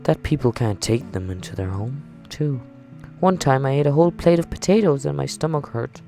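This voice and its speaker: A man's voice: mid-range voice, moderate pace, gravelly, warm tone, soft background music, voice pushed up, natural voice. A man voicing an earnest, lonely, chatty little girl in a visual novel read-aloud, pleading with the grown-ups.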